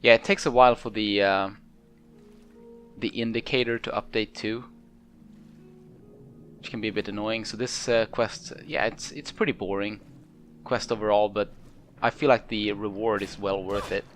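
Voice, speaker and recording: A man's voice: fairly low pitch, fairly even intonation, normal speed, long pauses, fairly bright tone. A man hosting a let's play, talking casually and unscripted in a hesitant, rambling, laid-back way. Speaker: gamer, let's play host. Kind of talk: casual unscripted game commentary. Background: game music.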